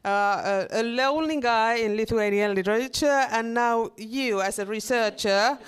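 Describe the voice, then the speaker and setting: Woman, panel moderator, clear smooth voice, halting questions. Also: fairly high pitch. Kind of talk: panel discussion.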